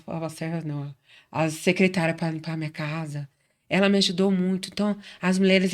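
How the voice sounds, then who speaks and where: A middle-aged woman from Brazil telling her faith story in casual chat, acting out quoted voices as she goes. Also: medium pitch. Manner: warm chatty storyteller, acts out quoted voices. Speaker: guest.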